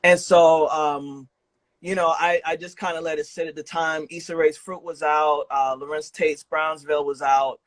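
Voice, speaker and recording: Higher-pitched man hosting a casual interview. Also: flat delivery, normal speed, no echo. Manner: informal, enthusiastic and affirming. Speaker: podcast host interviewing a guest.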